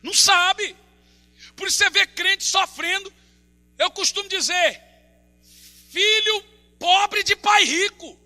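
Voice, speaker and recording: A man, a pastor preaching a fervent sermon and bursting into shouts. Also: extremely high pitch, slow, pauses often. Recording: reverberant hall with music behind.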